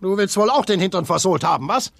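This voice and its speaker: An actor playing an angry, menacing father in a children's audio drama, domineering and threatening, with a rough gravelly voice. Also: high-pitched, lively intonation, quick pace, fairly bright tone, dry recording, exaggerated voice. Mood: threatening, defiant. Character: angry, menacing, abusive father berating his daughter. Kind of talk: German 1980s children's audio drama acting.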